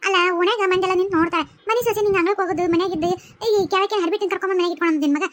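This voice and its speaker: Brief: woman with North Karnataka accent doing quarrelsome cartoon village voices, high and rapid. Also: steady tone. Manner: bickering, scolding village banter. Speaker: cartoon storyteller voicing all characters. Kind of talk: dialect comedy cartoon voicing.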